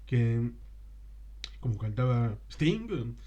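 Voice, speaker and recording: A man talks through an unscripted film review as its presenter. His delivery is discursive and halting, as he searches for words mid-sentence. He checks in with short tags and rhetorical questions along the way. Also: mid-range voice, very animated, dark tone, slightly rough, dull audio.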